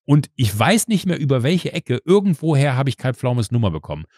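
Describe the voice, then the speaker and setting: Man, podcast host, casual storytelling, animated, dry sound. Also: mid-range voice, brisk, no echo. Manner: animated storyteller acting out quoted voices.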